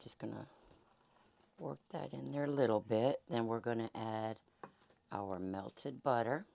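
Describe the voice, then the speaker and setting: A woman host with a Southern accent and a hoarse, fading voice, chatting folksily through a home cooking demonstration. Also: a bass voice, measured pace, a little mellow. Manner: chatty, folksy, many fillers. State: hoarse, losing her voice. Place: home kitchen.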